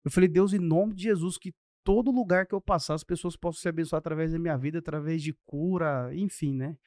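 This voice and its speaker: Man, 30s, Brazilian Portuguese accent, pastor's testimony, high voice, dry close sound, animated storytelling. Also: fast talker, no echo. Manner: animated, acts out the people in his story. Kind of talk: storytelling in a podcast interview.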